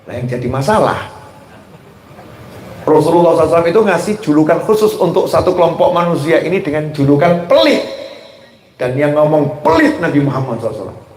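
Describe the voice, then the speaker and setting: A man preaching a sermon in a lively way, calling for responses from the congregation. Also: fairly high pitch, quick pace. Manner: animated, call-and-response with the congregation. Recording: roomy echo.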